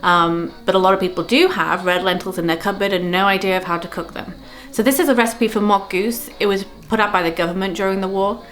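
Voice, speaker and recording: A woman's voice: mid-range voice, steady tone, fast talker, fairly bright tone. A woman giving casual cooking vlog narration, chatty and dryly humorous.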